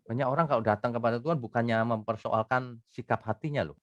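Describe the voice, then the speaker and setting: A man's voice: medium pitch, fairly even intonation, fast, no room sound, highs cut off. Emphatic man preaching. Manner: emphatic, swings between loud bursts and quiet asides. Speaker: pastor. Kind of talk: expository sermon.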